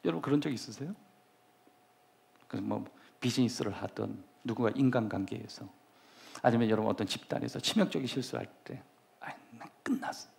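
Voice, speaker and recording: Animated man preaching a sermon. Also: mid-range voice, a little fast, gravelly. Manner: animated preaching, acts out scenes, shifts to soft whispers. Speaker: pastor. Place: church sanctuary.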